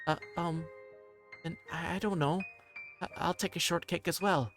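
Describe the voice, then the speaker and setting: A man's voice: fairly high pitch, fairly even intonation, moderate pace, a bit bright, faint music behind, voice pushed up, natural voice. A man voicing a shy, polite young waitress with a hesitant way of talking in a visual novel. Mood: shy, flustered.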